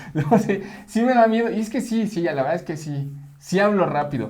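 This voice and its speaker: A man speaks in a dark, mellow tone with very wide pitch swings. Audible room echo surrounds his voice. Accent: Mexican. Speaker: teacher. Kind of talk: online lecture. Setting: live online class. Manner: loud.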